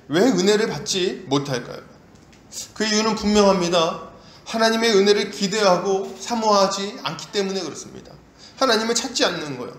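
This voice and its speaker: A male pastor preaching a sermon, telling the story vividly and asking rhetorical questions. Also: sits high. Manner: animated storytelling, acts out voices, rhetorical questions. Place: church sanctuary. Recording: echoey church room, faint hiss.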